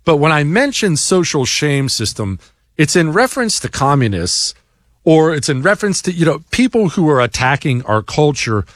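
Blunt, lively-voiced talk show host, a man. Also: a little high, moderate pace, no echo. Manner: blunt, emphatic, combative. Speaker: talk show host answering listener emails. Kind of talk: opinionated talk radio monologue.

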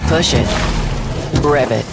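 A woman's voice: deep voice, slow pace, vocal fry, loud music behind the voice. A woman doing voice-over for a car commercial in a punchy, rhythmic delivery.

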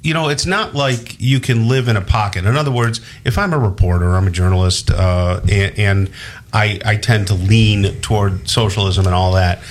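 A man's voice: fairly low pitch, normal speed. A male co-host interviewing a guest, often affirming and interjecting. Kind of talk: interview conversation.

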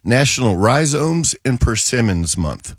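A man's voice: mid-range voice, big pitch swings, unhurried, slightly rough, no echo, clean studio sound. A man hosting a casual radio garden show while he has a cold, chatty and a little wry. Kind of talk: casual talk radio chat. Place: radio studio.

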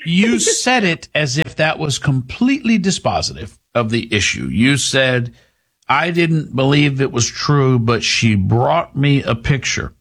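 A man in his fifties hosting a talk show, speaking in a measured, reflective way with frequent restarts. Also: mid-range voice, animated, a bit bright, slightly rough. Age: 50s. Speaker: host.

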